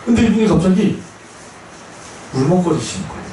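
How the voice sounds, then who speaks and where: A man, a Buddhist chaplain monk, telling a story in a dharma talk with animated delivery and acted-out voices. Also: high voice, a little fast, noisy background. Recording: echoey hall, voice from far off.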